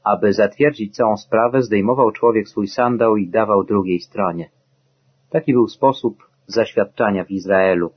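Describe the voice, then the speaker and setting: A man narrating a Bible story as a steady, measured scripted reading, in a dull lo-fi recording. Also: lowish voice, breathy edge.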